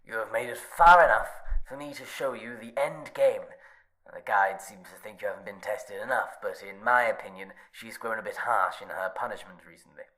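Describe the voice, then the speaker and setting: A man's voice: fairly low pitch, moderate pace, bright, forceful tone, rough recording. An actor playing a suave, mocking male overseer of a hotel test, silky and teasing, slipping into whispers in a horror audio drama.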